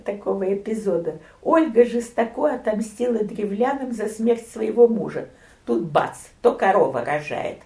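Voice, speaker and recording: An older woman recounting family memories in an interview, storytelling with lively swings and soft near-whispered asides. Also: medium pitch, vocal fry, reverberant. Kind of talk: oral history reminiscence.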